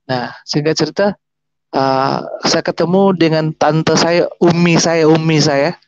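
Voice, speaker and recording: A man in his thirties with a Makassar Indonesian accent, telling his personal testimony in a rambling way, with restarts and fillers. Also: a little high. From South Sulawesi, Indonesia. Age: 30s. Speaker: guest sharing a testimony. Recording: dull lo-fi sound.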